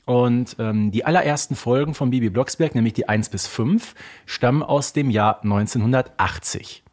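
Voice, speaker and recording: A man co-hosting a talk podcast, chatting about an audio drama series like an animated storyteller and posing rhetorical questions. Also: mid-range voice, normal speed. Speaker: podcast co-host.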